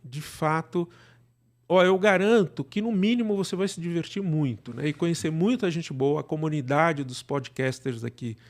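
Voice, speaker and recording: A middle-aged Brazilian man with a fairly high voice talks as a podcast guest. He rambles in a casual, conversational way and often tags his thoughts with small check-in questions. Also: moderate pace.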